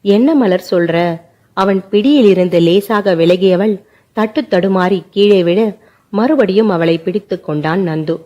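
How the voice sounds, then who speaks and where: A woman narrates an emotional family short story with unhurried, emotive pacing. Her voice is warm and mellow and sits at a moderate pitch. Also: lo-fi sound.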